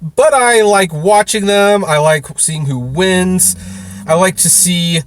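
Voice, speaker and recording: A man's voice: sits high, takes it slowly, slight background noise. A man being interviewed as a guest, telling stories casually in a blunt, wryly joking manner. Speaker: interview guest, film critic and author. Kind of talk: casual conversational storytelling.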